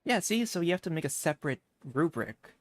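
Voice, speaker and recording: A man's voice: a little high, sing-song, brisk, dry recording. A man giving casual gameplay commentary as a streamer, informally thinking aloud. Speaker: game streamer.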